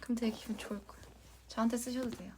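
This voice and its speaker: A young woman from Jeonju with a light Jeolla accent, chatting casually with fans on a livestream, giggling and sometimes dropping into a soft whisper. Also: on the high side, fairly even intonation, racing, a little hiss or hum. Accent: light Jeolla Korean. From Jeonju, Korea. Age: young adult. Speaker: idol livestream host.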